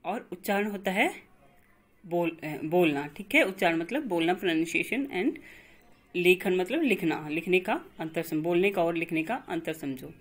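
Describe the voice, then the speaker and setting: A woman teacher walks young pupils through a grammar exercise, patient and repetitive. Her voice sits low and a little husky. She speaks at a very unhurried pace. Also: animated. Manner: patient, explains slowly and repeats words. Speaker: school teacher. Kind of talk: recorded online grammar lesson.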